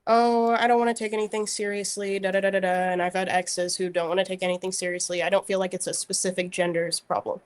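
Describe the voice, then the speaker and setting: A woman's voice: mid-range voice, little pitch movement, fast, few pauses. A woman in her twenties, a guest in a casual interview, talking easily with lots of "like" and "I feel like". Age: 20s. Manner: easygoing, filler-heavy with "like" and "I feel like".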